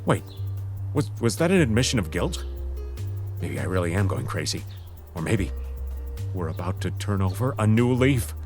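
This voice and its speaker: An actor playing a beleaguered, fed-up announcer in a comic audio drama, with theatrical, emphatic delivery. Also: male voice, lowish voice, very animated, normal speed, long pauses, darkish tone, faint music behind. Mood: gleeful, frantic. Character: exasperated, beleaguered male announcer, melodramatic and fed up.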